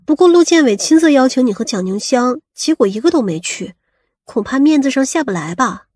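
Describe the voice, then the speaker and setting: A woman playing a sharp-tongued, coquettish lover in an audiobook, pouting and reproachful. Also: sits high, expressive, a little fast, slightly rough, no room sound. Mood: wary, reasoning.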